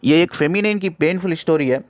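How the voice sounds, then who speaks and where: A man's voice: fairly high pitch, fairly quick, slight background noise. A man working as a spiritual counselor, telling a client's story earnestly and acting out the quoted calls. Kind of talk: spoken storytelling talk.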